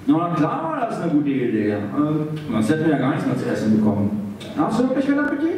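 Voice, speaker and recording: A flippant, shady tomcat from a comic radio play, acted by a man. The voice is fairly high for a male one. It is heard from afar on a very echoey stage. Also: wildly swooping pitch, quick pace, a little mellow. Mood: defensive, flippant. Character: scheming tomcat of dubious character, flippant. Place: live on a theatre stage. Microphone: stand microphone, far camera. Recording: echoey stage, distant microphone, faint noise.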